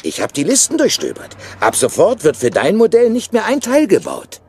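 Ein Schauspieler spielt in einem Kinderhörspiel einen schroffen, spöttischen Roboter, der beiläufig und genüsslich Ersatzteile verkauft. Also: male voice, high-pitched, huge pitch swings, normal speed, a little mellow, husky, heavily acted. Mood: mocking. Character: brusque, mocking male robot spare-parts salesman. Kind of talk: children's audio drama acting.

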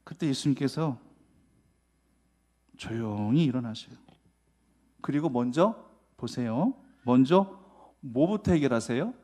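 A male pastor preaching a sermon in a lively way, acting out scenes and turning to the congregation with questions. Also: medium pitch, takes it slowly, long pauses. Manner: lively, dramatizing scenes with acted-out quotes and asides to the congregation.

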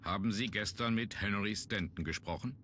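An actor playing a businesslike police inspector in a video game, inquisitive and matter-of-fact. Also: male voice, on the low side, normal speed, a bit bright, a little hiss or hum, close to an everyday voice. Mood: probing. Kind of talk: German video game voice acting.

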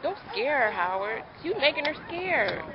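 High animated mother coaxing her toddler. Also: normal speed. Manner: playful, coaxing, laughs often. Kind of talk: casual family chat. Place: outdoor petting farm. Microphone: handheld camera. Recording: muffled camcorder audio, noisy outdoors.

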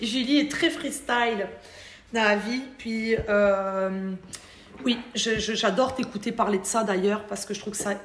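A woman's voice: a little high, reverberant. A woman from France, a hairdresser, chatting casually and animatedly as an interview guest. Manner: chatty, animated, quick to laugh.

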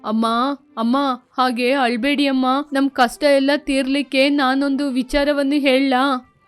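Woman as a reckless gambler son, coaxing, high storybook voice. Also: flat delivery, unhurried, faint music behind.

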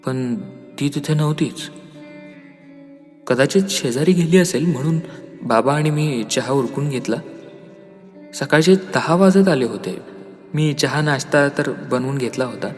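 A man telling an emotional first-person story as narrator, dropping to a hushed low voice and rising to loud, tearful emphasis. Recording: long reverb with soft music behind.

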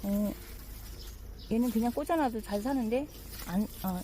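A middle-aged woman chatting casually as she walks through her outdoor flower garden, admiring the plants with many soft fillers. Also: a little high, a little slow, slight background noise. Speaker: gardening vlogger.

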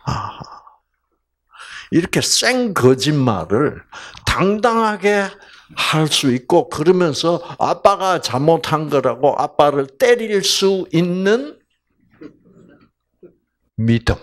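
A man giving a Bible lecture as a lively storyteller, asking the audience questions as he goes. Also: fairly high pitch, slow, long pauses.

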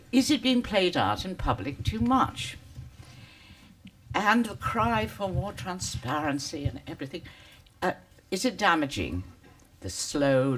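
Older woman, deep smoker's voice, sardonic debater, hugely animated pitch. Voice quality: deep smoky voice. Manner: witty, sardonic, theatrical. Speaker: panelist. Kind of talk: public debate speech. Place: conference hall.

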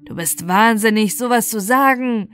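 A woman voicing a proud young boy in a fairy tale, with sharp, emphatic delivery. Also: a little high, normal speed, faint music behind, lightly acted. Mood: scornful, angry. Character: proud, cruel, scornful young boy, later remorseful.

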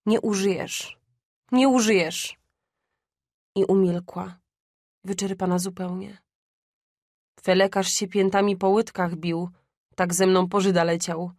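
A woman narrating an audiobook of a classic story in a measured, expressive way. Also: on the low side, dry recording, clean studio sound.

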